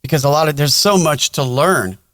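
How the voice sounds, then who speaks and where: Encouraging podcast co-host, dry sound. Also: male voice, fairly high pitch, moderate pace, a bit bright, dry recording. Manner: encouraging, asks questions. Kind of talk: casual podcast chat.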